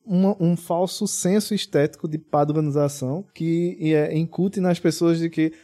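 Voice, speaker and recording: Mellow-voiced man with a Pernambuco accent. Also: a little high, moderate pace. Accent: Northeastern Brazilian, Pernambuco. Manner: animated, lots of restarts and impressions. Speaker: podcast co-host. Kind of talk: casual chat.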